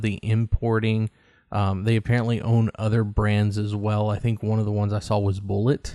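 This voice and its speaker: Over a quiet background, a man speaks at a fairly quick pace in a fairly low, flat monotone with a dark, mellow tone. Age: 40s. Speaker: podcast co-host. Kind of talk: casual chat.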